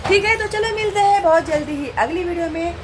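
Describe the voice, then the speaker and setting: A young adult woman, teaching a children's English lesson in a lively, coaxing way, reading riddles slowly and then explaining them. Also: very high voice, background noise.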